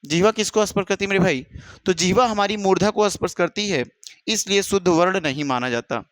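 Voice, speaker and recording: A male teacher giving an exam-prep lesson, dictating notes slowly with many repeats and calling students brother. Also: high voice, dry recording.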